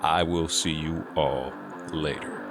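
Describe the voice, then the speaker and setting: A man's voice: a bass voice, fairly even intonation, takes it slowly, loud music behind the voice. A man telling a prison story to his viewers in a casual, laid-back way, often saying "you know". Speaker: storyteller sharing prison stories.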